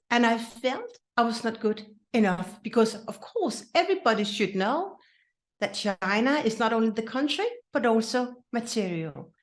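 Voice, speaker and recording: A woman from Denmark with a Danish accent, whose first language is Danish, hosting her own podcast in an earnest, personal way with many restarts. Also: on the high side. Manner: earnest, with frequent restarts and repetitions. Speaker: podcast host. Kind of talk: casual solo podcast talk.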